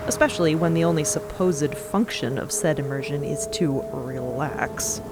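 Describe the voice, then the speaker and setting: A woman's voice: low-pitched, normal speed, heavy background noise. A woman narrating a scripted audio drama in a precise, dryly wry way.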